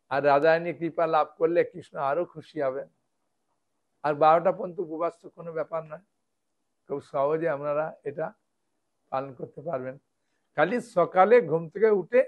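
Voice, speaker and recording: A man's voice: a little high, muffled recording. A man, a monk preacher, giving a devotional lecture and explaining step by step, often checking with his listeners.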